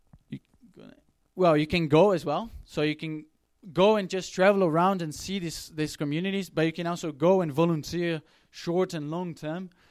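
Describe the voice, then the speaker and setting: A man with a Brazilian accent talks at a moderate pace in a high voice. His intonation stays fairly even while his loudness swings a lot, on a very clean recording with a silent background. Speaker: missionary speaker. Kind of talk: testimony and presentation to audience. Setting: stage with audience and slides.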